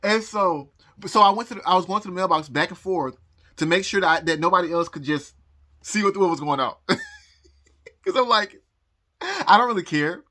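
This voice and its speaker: A man telling a rambling personal story to his phone, halting and repeating words, pausing often, with nervous laughs. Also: high-pitched, bright, forceful tone. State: out of breath. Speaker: vlogger. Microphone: phone recording.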